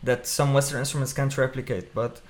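A man's voice: medium pitch, fairly even intonation, brisk. Reflective man guest on a radio show. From Lebanon. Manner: reflective, searching for words. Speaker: musician and interview guest. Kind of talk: radio interview.

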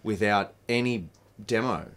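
A man being interviewed about his music, chatting in a laid-back yet animated way. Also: fairly low pitch, a little slow. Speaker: musician guest. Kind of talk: casual interview chat.

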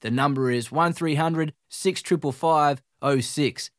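A man's voice: fairly high pitch, measured pace, no echo, studio quality. A man from northern Australia, reading a public service announcement in a friendly, encouraging way. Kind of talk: read radio announcement.

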